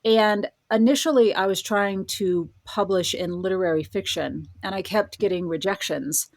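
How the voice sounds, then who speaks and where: A woman's voice: medium pitch, normal speed, no room sound, clean studio sound. A middle-aged woman telling her own story in a casual interview, articulate and self-deprecating. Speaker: podcast guest, horror writer and college professor.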